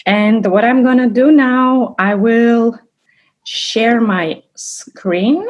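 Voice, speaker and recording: A woman's voice: on the high side, drawn-out words, a little mellow, muffled recording. A woman in her thirties from Armenia, raised in Russia, presenting a course overview as an assistant professor over a video call, explaining carefully with frequent restarts. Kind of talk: online lecture presentation.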